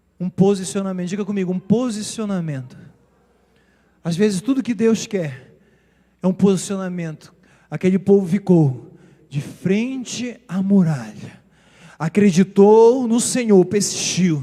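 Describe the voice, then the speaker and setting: A man's high-pitched voice, fairly slow in pace, with ordinary pitch variation and long, frequent pauses. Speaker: pastor. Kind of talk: sermon. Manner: loud, shouting; animated.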